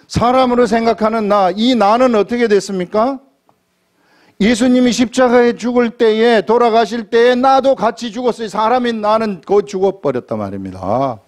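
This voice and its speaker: A man preaching a sermon as a church pastor, putting questions to the congregation and acting out pleading prayers. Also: very high-pitched.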